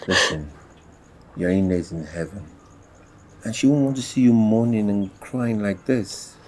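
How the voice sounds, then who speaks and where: A man playing a gentle uncle who soothes and reassures a grieving child. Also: lowish voice, unhurried, slight background noise, natural voice. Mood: soothing. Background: music score.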